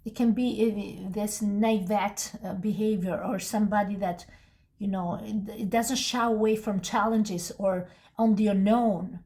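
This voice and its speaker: A woman's voice: medium pitch, fairly even intonation, measured pace, mellow. A woman with a non-native English accent giving a casual, rambling tarot reading, full of restarts and asides. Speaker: tarot reader.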